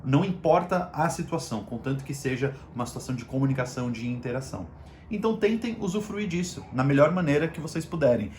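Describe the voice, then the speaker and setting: A Brazilian man with a Brazilian Portuguese accent gives a casual online lesson on communication, raising and lowering his voice to make his points. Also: expressive, fast, darkish tone, echoey room, a little hiss or hum. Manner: shifts volume and pitch to show emphasis. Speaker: communication trainer.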